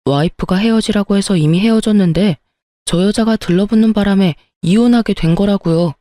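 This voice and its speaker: A woman's voice: medium pitch, brisk, mellow, dry recording, clean studio sound, lightly acted. A woman voicing a cheating husband who whines and makes excuses. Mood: pleading. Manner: whining, making excuses. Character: cheating husband, defensive and pleading.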